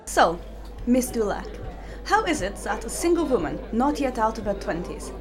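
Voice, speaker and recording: Spy woman, haughty, menacing, higher pitch, a woman acting it. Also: very animated, moderate pace. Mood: smooth, scheming. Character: scheming female German spy posing as journalist. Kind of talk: audio drama acting.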